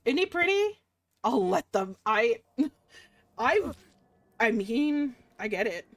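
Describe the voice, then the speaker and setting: A young woman reading a dark visual novel aloud in dramatic first person, breaking off for giggly asides. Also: fairly high pitch, big pitch swings, slow, no echo. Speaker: streamer playing a game.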